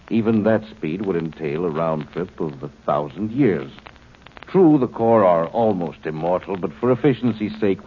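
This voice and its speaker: Deep-voiced, superior alien commander. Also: male voice. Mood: lofty explaining. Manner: formal, condescending, measured explanations. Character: coolly superior alien commander posing as a human man. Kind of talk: 1950s radio drama acting. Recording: tinny, noisy 1950s radio recording.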